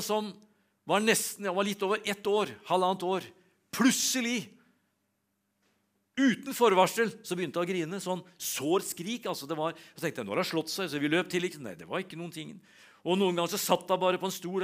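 A middle-aged male preacher tells personal stories within a sermon. He delivers them in an animated way, jumping from loud emphatic lines to quiet asides. His voice sits somewhat high for a man.

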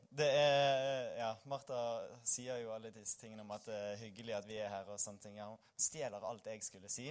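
A young man gives an easygoing sermon in a church hall. He sounds tired after a short night, and he jokes at his own expense and chats with the congregation. His voice sits at an ordinary middle pitch. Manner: self-deprecating, joking, chatty with the congregation. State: tired after little sleep. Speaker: preacher. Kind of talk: informal sermon with scripture reading.

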